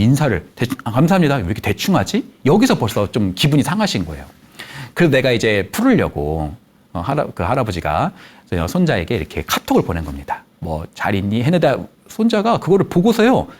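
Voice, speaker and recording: A man's voice: medium pitch, brisk. A man who counsels people from children to the elderly, giving a lecture and telling anecdotes that he acts out in the voices of the people he quotes. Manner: animated storytelling, acting out quoted voices. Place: lecture studio.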